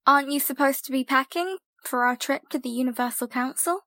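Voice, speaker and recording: A woman's voice: high-pitched, fairly quick, pushed and bright, dry recording, clean studio sound. A woman playing an exasperated, bossy young twin sister, a dismissive skeptic, in an audio drama.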